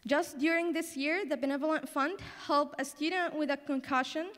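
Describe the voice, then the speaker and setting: A woman's voice: high-pitched, fairly even intonation, moderate pace, fairly bright tone. A young woman from the Middle East speaking on stage as a student presenter, in a prepared-speech style. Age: young adult. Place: large auditorium stage. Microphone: handheld microphone. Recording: echoey auditorium.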